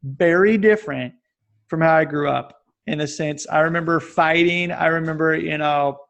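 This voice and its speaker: An American man in his forties talks as a guest, with a slightly high voice that has a gravelly fry running through it. He rambles and restarts his sentences often, telling stories in an animated way. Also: normal speed. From United States. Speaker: guest, fitness coach. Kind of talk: casual interview chat. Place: lives in Japan.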